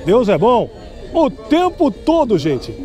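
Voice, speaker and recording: Lively high-voiced man selling. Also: slow pace, soft background music. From Brazil. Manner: chatty and promotional, keeps asking vendors prices. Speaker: shopping vlogger touring a street market. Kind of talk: upbeat sales walkthrough. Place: outdoor city street market at night.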